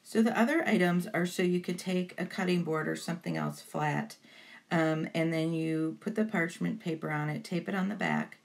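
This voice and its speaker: A woman's voice: low-pitched, lively intonation, normal speed. A woman giving an informal step-by-step tutorial voice-over in a chatty way, encouraging to beginners. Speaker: baking tutorial host.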